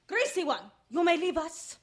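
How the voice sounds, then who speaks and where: A woman acts out a fiery young singer in a radio mystery. Her voice is extremely high. She speaks melodramatically, jealous and possessive of her man. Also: very animated, moderate pace, background noise. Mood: guarded, suspicious. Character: passionate, possessive young Casbah singer with broken English. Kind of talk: radio mystery drama acting.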